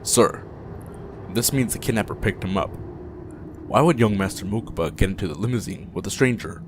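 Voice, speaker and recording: An actor playing a grave, loyal aide in an audio drama, speaking formally and deferentially. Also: male voice, on the low side, fairly quick, natural voice. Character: grave, formal, loyal male aide reporting to his boss. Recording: clear background ambient noise.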